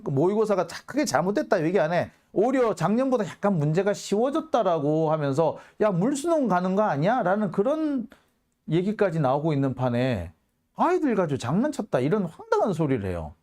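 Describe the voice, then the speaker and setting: A man's voice: sits high, darkish tone. A man hosting a political commentary monologue, heated and sarcastic, firing off rhetorical questions.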